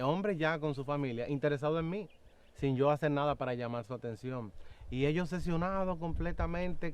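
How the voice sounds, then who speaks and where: A young man giving an earnest, halting personal testimony in an interview, acting out quotes as he tells it. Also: on the high side, a little mellow, clear, resonant tone. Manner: earnest, halting, with many fillers and acted-out quotes.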